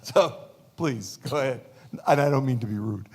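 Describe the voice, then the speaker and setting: An older man moderating a conference session, giving halting, deliberate instructions with dry humor. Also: medium pitch, gravelly, breathy edge.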